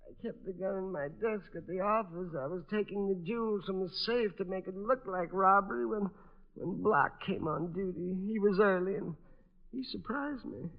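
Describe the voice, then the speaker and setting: Timid, high-voiced, nervous little jeweller. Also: male voice, moderate pace, vocal fry. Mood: shaken, confessing. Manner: meek, nervous, stammering. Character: timid, pleading, cornered male jeweller. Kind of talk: old-time radio detective drama acting. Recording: muffled, lo-fi old radio recording.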